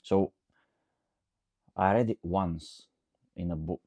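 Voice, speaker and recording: A man with a Bulgarian accent and a very deep, gravelly voice, recorded dry and close. He talks off the cuff like a coach hosting a question session, rambling and checking that listeners follow. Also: slow, warm tone, no room sound. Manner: rambling, checks understanding with frequent "okay?". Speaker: coach and host answering audience questions. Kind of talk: casual unscripted talk to camera.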